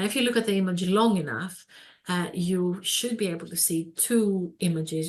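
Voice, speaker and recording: With a Greek accent, a woman speaks at a moderate pace in a fairly low voice and fairly even intonation. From Greece. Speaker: psychology professor. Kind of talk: webinar lecture.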